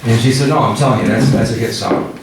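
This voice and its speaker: A man casually introducing songs at an open mic, telling anecdotes in a halting way. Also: mid-range voice, fairly even intonation, far from the mic. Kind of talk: casual song introduction and singing. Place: small cafe open mic. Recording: echoey cafe, off-mic, guitar music.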